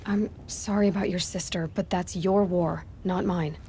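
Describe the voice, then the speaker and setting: An actress playing a brisk, self-reliant young tribal hunter in a video game, speaking in a terse, matter-of-fact way. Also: female voice, fairly low pitch, steady tone, dark tone, a little hiss or hum, lightly acted. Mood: curt, firm. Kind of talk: video game dialogue acting.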